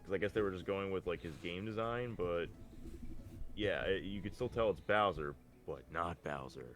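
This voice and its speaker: A man with a deep voice chats in an informal, sweary way as a podcast co-host. Light music runs underneath his talk. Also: normal speed, fairly bright tone. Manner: casual, profane. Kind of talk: casual chat about cartoons and games.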